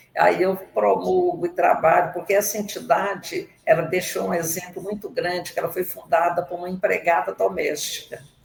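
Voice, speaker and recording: Moderate pace against noticeable background noise. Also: woman. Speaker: accountant and business consultant. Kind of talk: podcast interview.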